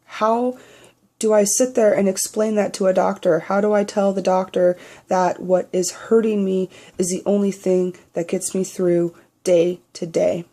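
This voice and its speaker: Slow, gravelly-voiced young trans man. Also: flat delivery, mellow. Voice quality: naturally high voice that he tries to pitch down. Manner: candid, blunt, swears freely. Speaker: vlogger. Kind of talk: personal video diary.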